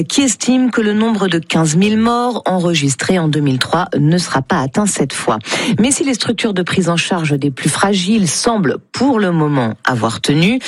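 A woman correspondent delivering a steady, informative news report. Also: on the low side, husky, dry recording.

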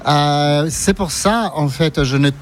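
A middle-aged man speaks with a clear Ecuadorian Spanish accent, earnest and openly enthusiastic. He is interviewed inside an ice cream shop, a faint hum of the room behind him. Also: on the high side, takes it slowly. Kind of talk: radio interview on location.

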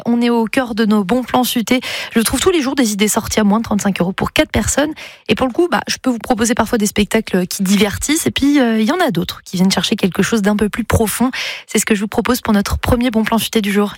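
A woman radio host presenting and interviewing in a brisk, announcer-like way. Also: on the high side, no echo. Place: radio studio. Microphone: studio microphone.

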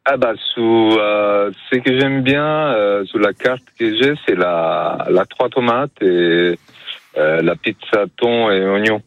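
A man running a small pizzeria, answering hesitantly with many pauses and fillers. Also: lowish voice, no room sound, muffled recording. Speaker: pizzeria owner guest.

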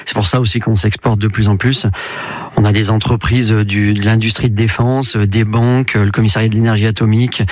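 Fast-talking man, dry studio sound. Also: on the low side, flat delivery, no echo. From France. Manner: fast, eager, repeats words while explaining. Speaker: company CEO, interview guest. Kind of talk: radio interview, explaining.

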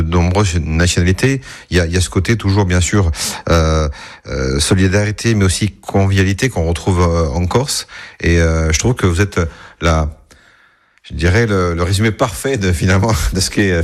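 A man hosting a radio interview, measured and hesitant with fillers. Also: low voice. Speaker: radio host.

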